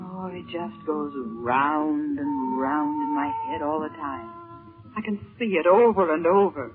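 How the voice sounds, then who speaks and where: A woman's voice: deep voice, measured pace, over music. An actress playing a frightened, earnest white woman held captive, in a melodramatic 1930s radio serial style. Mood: anxious, haunted. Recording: scratchy, muffled 1930s radio recording.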